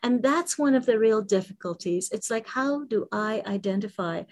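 A woman's voice: on the high side, animated, moderate pace, darkish tone. Reflective woman co-host. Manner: reflective, emphatic. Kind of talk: casual panel chat.

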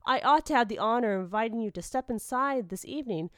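Casting: indignant old head of household, formal and forceful, folktale reading performed by a woman, dry studio-like sound. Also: fairly high pitch, lively intonation, fast, no echo, pitched above the performer's own voice. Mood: troubled, courteous. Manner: stern, formal, forceful delivery. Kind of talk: dramatic storybook reading.

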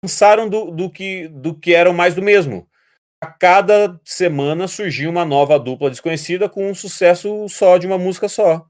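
A Brazilian man with a fairly high voice chats casually at a normal speed. He tells long, rambling, animated stories and imitates other people's voices along the way.

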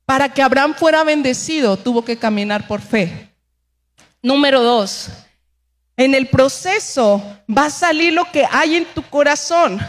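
A woman pastor preaching a lively sermon, asking the congregation questions and acting out the voices she quotes. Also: high voice.

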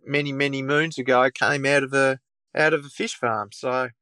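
An Australian man from Tasmania, croaky from a cold, explaining things at length as a podcast guest, with frequent restarts and "um"s. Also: mid-range voice, flat delivery, normal speed, sharp tone, dry recording. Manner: rambling explanations with many restarts and fillers. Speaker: guest taxidermist. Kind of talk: casual podcast chat.

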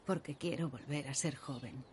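A woman's voice: extremely low pitch, moderate pace, darkish tone, a little hiss or hum. An actress dubbing a lonely old woman who pleads insistently to be made young again. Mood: begging. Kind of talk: film dub.

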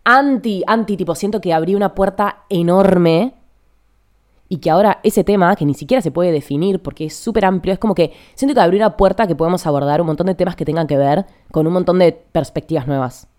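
Casting: young Argentine female podcaster, lower register, over-energized hurried delivery, informal and talkative. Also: a little mellow. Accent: Argentine Spanish. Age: young adult. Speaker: podcast host. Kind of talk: casual podcast monologue.

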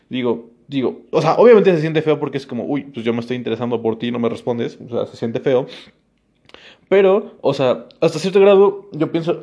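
A man's voice: mid-range voice, a little mellow, highs cut off. Guy doing a chill podcast, rambles a lot, tons of fillers, keeps asking the listener if they get it. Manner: rambling, heavy on fillers, thinking aloud; addresses the listener directly with frequent tag questions. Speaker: podcast host. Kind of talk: casual podcast monologue.

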